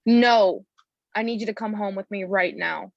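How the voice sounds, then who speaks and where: A woman's voice: mid-range voice, moderate pace, gravelly, no echo, dull audio, close to an everyday voice. A woman acting a protective, resolute, commanding character at a screenplay table read. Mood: firm, urgent.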